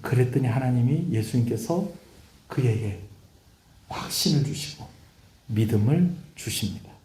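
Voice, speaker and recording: Gyeongsang pastor preaching in a roomy church. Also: male voice, medium pitch, expressive, unhurried, dark tone. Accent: Gyeongsang Korean. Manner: preaching with rising fervor and call-and-response. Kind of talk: sermon. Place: church sanctuary.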